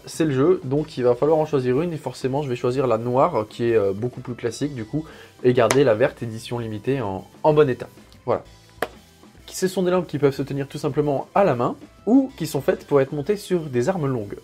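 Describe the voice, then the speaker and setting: In his sponsored unboxing vlog, the channel host talks through each step in a dark, medium-pitched voice. He keeps it casual and playful, dropping in fillers often.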